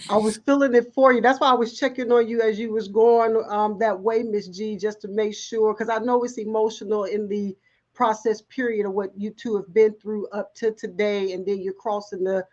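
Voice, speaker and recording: A woman's voice: medium pitch, fairly even intonation, moderate pace, darkish tone, muffled recording. A woman hosting an interview, asking encouraging questions and often restarting her sentences. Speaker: talk show host. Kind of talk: interview in recovery show.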